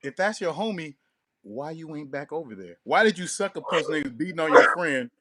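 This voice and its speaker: A man's voice: fairly high pitch, sing-song, fairly quick, a crowd in the background. A man co-hosting a talk show, giving brash, slangy comic commentary. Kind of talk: casual comedic commentary.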